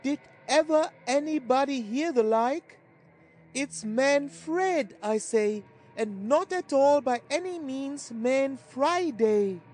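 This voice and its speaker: A woman's voice: high-pitched, lively intonation, slow, darkish tone, faint music behind. A woman playing an affected, exclamatory society gossip in a comic period story. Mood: gossipy, scolding. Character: chattering society gossips at cards and dances.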